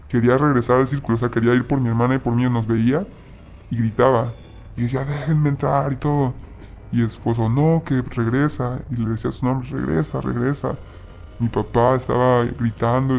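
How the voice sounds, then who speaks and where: A man telling a personal story in a halting way, often restarting his sentences. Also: medium pitch, vocal fry, darkish tone, a little hiss or hum. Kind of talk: personal story told casually.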